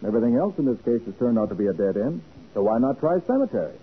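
An actor playing a brisk, commanding private detective in a 1940s radio crime drama. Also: male voice, mid-range voice, sing-song, lightly acted. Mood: brisk, resolute. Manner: decisive, takes charge. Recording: noisy, narrow-band 1940s radio recording.

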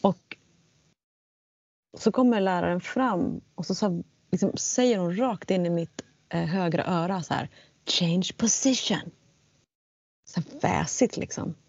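Gravelly woman telling a story. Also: on the low side, dry recording, dull audio. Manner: animated, acts out quotes in English. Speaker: guest telling a personal story. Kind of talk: casual storytelling in conversation.

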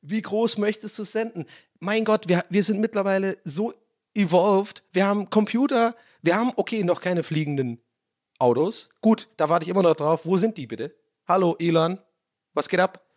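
A young man, slightly hoarse, hosting his own podcast from a room at home and ranting in a casual, swearing way. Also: high-pitched, normal speed. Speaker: podcast host. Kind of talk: casual solo podcast monologue. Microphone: own studio mic.

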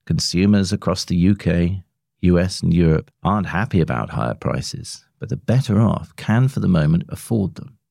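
Deep-voiced man reading an article. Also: lively intonation, moderate pace, vocal fry, a little mellow, no echo, clean studio sound. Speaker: narrator of a magazine long read. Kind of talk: scripted narration of an article.

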